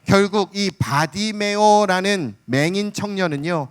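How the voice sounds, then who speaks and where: High-voiced Korean pastor preaching with drama. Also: male voice, measured pace, smooth. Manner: dramatic storytelling, acts out the beggar's cries; calls out "hallelujah" and addresses the congregation. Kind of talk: sermon.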